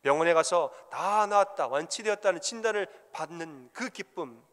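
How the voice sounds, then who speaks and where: A pastor preaches with emphatic repetition and tells stories. His voice is fairly high for a man. It rings out in a reverberant church sanctuary. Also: animated, normal speed, a bit bright. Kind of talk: sermon.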